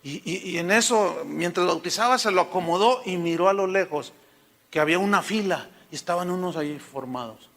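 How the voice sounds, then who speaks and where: A man preaching a sermon with a high, bright voice. He tells stories and acts out biblical figures in short quoted lines, and he calls his listeners brother. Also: a little fast. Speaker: pastor.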